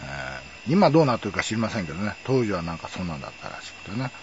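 A man's voice: fairly low pitch, rapid-fire, creaky, muffled recording, background noise. A middle-aged man telling a personal story in a wry, chatty way. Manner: wry, chatty, lively intonation. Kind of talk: casual storytelling monologue.

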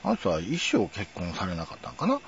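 A middle-aged man with a Kansai accent rambles through a casual monologue, his low voice swooping up and down. He drifts between thoughts and chuckles as he goes. The recording sounds dull and lo-fi. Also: huge pitch swings, brisk, a little hiss or hum. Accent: Kansai Japanese. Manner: rambling, reminiscing, chuckling asides.

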